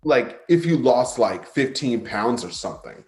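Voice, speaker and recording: A man's voice: medium pitch, lively intonation, a little slow, darkish tone, close to an everyday voice. A man playing a flirty, sardonic but insecure gay man in a staged play reading, with a teasing, dramatic delivery. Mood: animated, catty. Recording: roomy sound, faint music behind.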